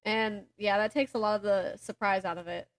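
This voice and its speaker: A woman's voice: medium pitch, steady tone, fairly quick. A woman co-hosting a casual book podcast, agreeable and supportive, often prompting with questions. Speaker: podcast co-host.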